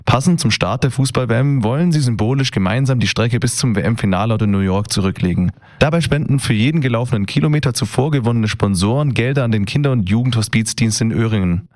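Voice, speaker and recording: A man delivering a short regional news report on the radio in a clear, even way. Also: mid-range voice, no echo, studio quality.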